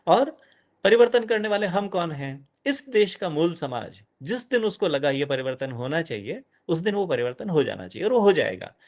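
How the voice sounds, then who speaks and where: A middle-aged man giving an animated lecture to an audience as a guest speaker, dropping in English phrases. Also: a little high, moderate pace.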